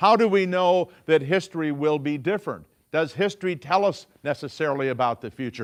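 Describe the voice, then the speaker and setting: A man speaks in a normal speaking voice at a fairly quick pace. His pitch is fairly high with ordinary variation, and the background is quiet. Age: 60s. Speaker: financial educator. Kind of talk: lecture.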